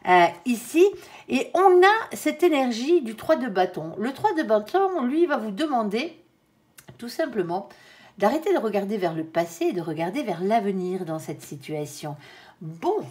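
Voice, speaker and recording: A woman's voice: a little high, very animated, moderate pace, a little mellow. A tired woman giving a casual tarot reading, chatty with many fillers and some stumbling. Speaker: tarot reader.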